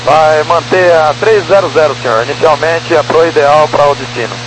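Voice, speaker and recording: A man's voice: a little high, normal speed. A Brazilian man speaking as a pilot, giving courteous, formal readbacks over aviation radio. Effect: radio transmission. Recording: noisy, humming cockpit radio transmission.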